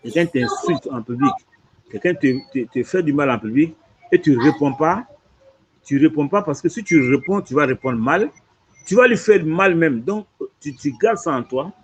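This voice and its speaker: A man's voice: on the high side, normal speed, slight background noise. A man, an imam, explaining a religious teaching in conversation, repeating points and checking "tu vois". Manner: lively, repetitive explaining with frequent "tu vois". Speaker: imam answering questions. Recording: dull lo-fi audio.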